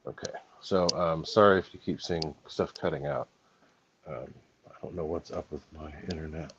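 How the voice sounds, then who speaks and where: A hoarse man chatting casually on a live stream while unboxing, rambling with lots of ums and talking to his viewers. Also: rumbling low, normal speed, a bit bright, muffled recording, slight background noise. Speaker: hobby channel host.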